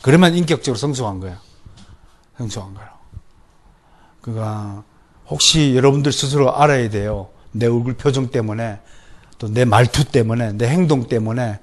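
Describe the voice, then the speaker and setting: A middle-aged male pastor with a Gyeongsang accent, preaching a sermon lecture in a lively, animated way, often mimicking others. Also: mid-range voice, moderate pace, long pauses. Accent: Gyeongsang Korean. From Gyeongsang region, Korea. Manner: lively, animated, mimics people in quoted voices.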